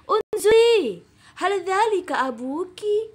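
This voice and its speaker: Friendly curious schoolgirl read by a woman teacher, high voice, slow careful textbook reading. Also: very animated, heavily acted. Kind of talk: reading a textbook dialogue aloud.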